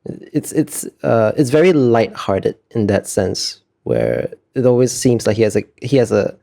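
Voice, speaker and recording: This man's voice is medium-pitched and warm, very animated yet measured in pace, with vocal fry. Interviewed as a concept artist, he talks casually and thoughtfully, frequently hesitating to find the right words.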